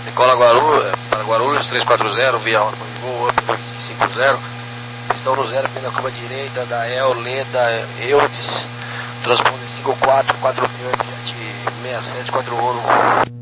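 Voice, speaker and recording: Man, pilot, medium pitch, clipped phrasing, crackly military-style radio, heavy noise. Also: little pitch movement, measured pace. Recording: very noisy humming cockpit radio.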